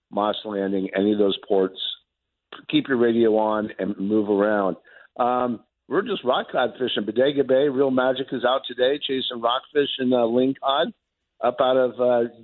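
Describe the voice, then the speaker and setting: Hoarse man on a tinny phone line. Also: medium pitch. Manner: halting, repeats words, many fillers. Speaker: fishing report guest. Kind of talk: phone-in fishing report.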